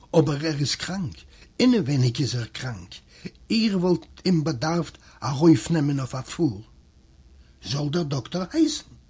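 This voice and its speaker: A man's voice: a little high, breathy edge. A man with an Eastern European Yiddish accent, a native Yiddish speaker, reading a literary memoir aloud and voicing the characters in its dialogue. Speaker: audiobook reader.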